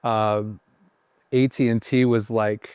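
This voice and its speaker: A man's voice: lowish voice, level tone, slow pace, darkish tone, clean tone, no echo. A man guesting on a podcast, telling rambling, self-deprecating stories about his career with lots of fillers. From Ohio. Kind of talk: casual podcast chat.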